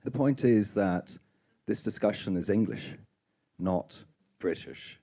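A man's voice: fairly low pitch, slow, dark tone. A man with a Northern Irish accent, an audience member bluntly challenging a panel. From Northern Ireland. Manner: blunt, emphatic. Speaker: audience member asking a question. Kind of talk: pointed challenge at a panel discussion.

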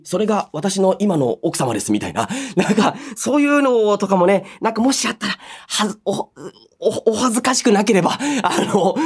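A man's voice: sits high, husky. A man in his thirties hosting a radio show solo, reading listener mail and musing aloud in a polite but casual way.

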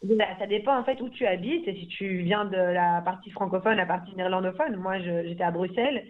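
A woman's voice: medium pitch, brisk. A woman from Belgium, talking casually and chattily about her life and languages. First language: French. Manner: chatty, many fillers and restarts, laughs easily. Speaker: language school founder. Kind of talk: casual interview talk. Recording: phone-like narrow sound.

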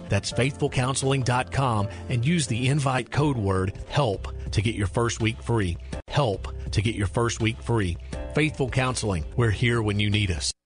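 Male radio ad narrator over music. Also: medium pitch. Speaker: commercial announcer.

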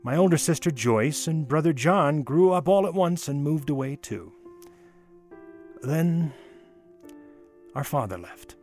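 A man giving a theatrical, expressive dramatic reading of a childhood holiday memoir, with wonder and deliberate pauses. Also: on the high side. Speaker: storyteller. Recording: music under the voice. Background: music.

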